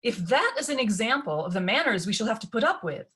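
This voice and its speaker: A woman voicing a haughty, snappish young stepsister in a storybook reading, demanding and sharp-tongued. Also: a little high, very animated, fast talker.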